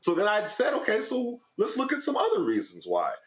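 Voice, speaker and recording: A man as a panel guest, talking conversationally and arguing his point in a lively way. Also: sits high, fairly quick. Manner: conversational, laughs easily, lively argument. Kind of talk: casual discussion. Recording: echoey lo-fi remote audio.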